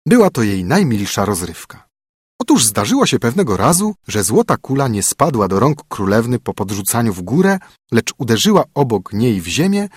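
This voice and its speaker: A man reading a fairy tale aloud, lilting and expressive as he narrates. His voice is husky with lively swings in pitch. The recording is dry and close, without room sound. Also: dry recording. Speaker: storyteller.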